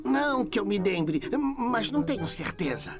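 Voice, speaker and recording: A man's voice: high-pitched, big pitch swings, normal speed, music in the background. A man with a Brazilian accent voicing a small, fussy, absent-minded berry-creature gardener in a cartoon dub, hesitant and pedantic. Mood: puzzled, fussy. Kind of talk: animated cartoon dubbing.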